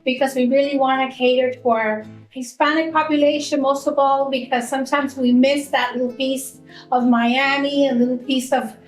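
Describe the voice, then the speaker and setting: A woman's voice: high-pitched, fairly even intonation, moderate pace. A woman speaking earnestly in an interview as a food truck owner, promoting the family business. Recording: roomy echo, faint music.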